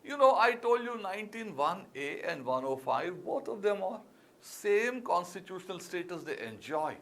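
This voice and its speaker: A man with an Indian English accent teaches a civil services exam class in a high, sing-song voice that is a bit bright, at a moderate pace. He speaks emphatically, repeats key words, and uses many fillers.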